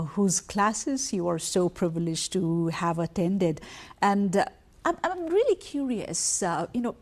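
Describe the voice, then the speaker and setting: A woman's voice: lowish voice, a little mellow. A woman hosting an interview, asking long, articulate, carefully phrased questions. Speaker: interviewer host.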